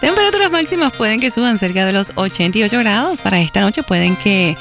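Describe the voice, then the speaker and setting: A woman's voice: medium pitch, expressive, quick pace, music in the background. A woman from Venezuela with a Puerto Rican accent, talking casually and proudly as a radio host and giving the weather. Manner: chatty, proud and upbeat.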